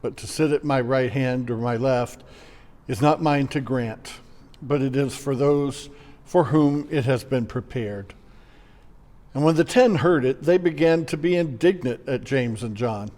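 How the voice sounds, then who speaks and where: In a long, echoing reverb, a man with a mid-pitched voice reads scripture as a pastor. His phrasing is solemn, measured and deliberate. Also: warm tone.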